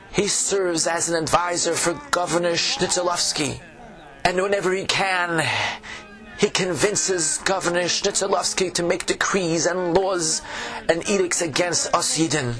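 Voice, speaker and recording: A man's voice: high-pitched, steady tone, unhurried, fairly bright tone. A man doing a fretful Jewish tavern keeper. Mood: alarmed. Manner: fretful, pious exclamations.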